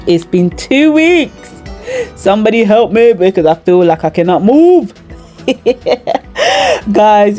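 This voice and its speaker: A woman's voice: lowish voice, dark tone. A woman vlogging casually to camera, chatty and laughing often, with many fillers. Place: out in the snow, then a gym.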